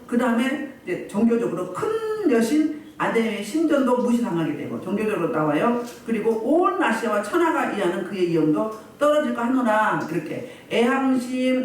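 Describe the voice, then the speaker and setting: A woman pastor preaching a sermon at a healing service, telling the story with lively voices for the crowds she describes. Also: on the high side, a little hiss or hum. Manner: animated, acts out crowds and quotes. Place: church meeting room. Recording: echoey hall, distant mic.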